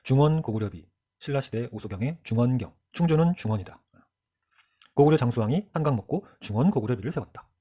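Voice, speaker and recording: Speaking fast with an animated delivery, a Jeolla-born history teacher in his 40s gives a loose, joking lecture, wandering off topic and mocking himself along the way. His medium-pitched voice is dark with a breathy edge, and his light North Jeolla Korean accent has Chungcheong traits.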